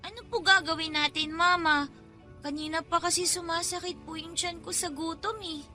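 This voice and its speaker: A very high, bright child's voice, for an innocent and hungry Filipino schoolgirl in a radio drama. She is polite and questioning, with music softly behind her. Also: fairly even intonation, moderate pace, heavily acted. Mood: hungry, plaintive. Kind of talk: Tagalog radio drama acting.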